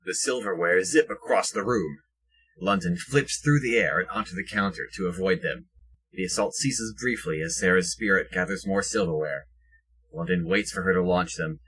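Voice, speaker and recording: A man's voice: fairly low pitch, pushed and bright, slightly rough, rough recording. A man reading scripted present-tense action narration for an audio drama.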